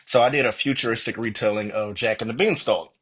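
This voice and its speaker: A man's voice: mid-range voice, fast talker, a bit bright, slightly rough. A man speaking as an author guest on a podcast, talking casually in an upbeat, self-deprecating way. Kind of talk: casual conversational interview.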